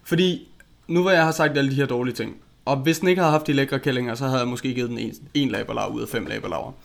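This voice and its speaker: A man's voice: mid-range voice, gravelly. A man co-hosting a casual film-review podcast, talking bluntly and crudely with lots of fillers and restarts. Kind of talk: casual chat.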